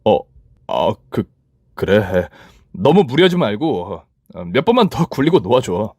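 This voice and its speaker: A man voicing a boyfriend, a company boss, calm and a little hesitant. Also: on the low side, unhurried, slightly rough, dry recording, studio quality, heavily acted.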